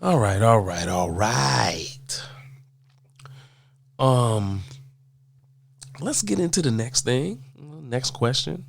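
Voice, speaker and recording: A man's voice: medium pitch, lively intonation, extremely slow, creaky, long pauses. A man with a cold, sounding stuffed up, rants casually and emphatically to his viewers, answering their questions and repeating points for effect. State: congested from a cold. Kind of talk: casual opinion rant.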